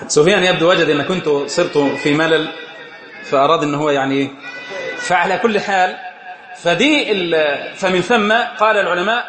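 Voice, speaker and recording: High-voiced Egyptian sheikh in an echoey room. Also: male voice, fairly bright tone. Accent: Egyptian Arabic. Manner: questioning the audience, laughing often. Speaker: sheikh teaching a religious study circle. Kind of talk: informal religious lesson.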